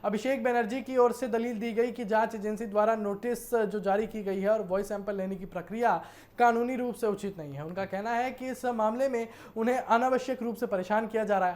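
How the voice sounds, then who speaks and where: A woman news presenter with an Indian accent delivers a political news report. Her voice sits on the high side for a woman. The delivery is that of a narrated bulletin.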